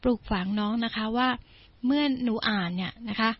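A woman's voice: on the high side, fairly quick, husky, no room sound, dull audio. A woman English teacher reading a children's story and patiently explaining each word for her listeners. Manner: patient, explains words one by one. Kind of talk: bilingual storytelling lesson for listeners.

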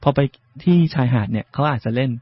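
A man's voice: medium pitch, quick pace, slightly rough, dull audio. A man hosting a radio English lesson, politely recapping each new word for the listeners. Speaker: radio host teaching English vocabulary.

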